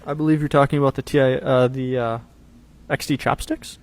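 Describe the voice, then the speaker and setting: A man's voice: medium pitch, steady tone, fairly quick. A man co-hosting a live show, talking casually and rambling with fillers. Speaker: co-host of a live truck parts show. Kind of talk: casual chat.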